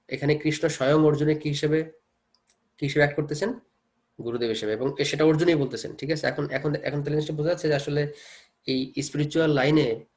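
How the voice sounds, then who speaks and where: A man's voice: on the high side, darkish tone. A man with a Bengali accent teaching a scripture class. He explains with rhetorical questions, often checks that listeners follow, and mixes English words into his talk. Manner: reads verses slowly, chants Sanskrit. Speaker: Gita teacher.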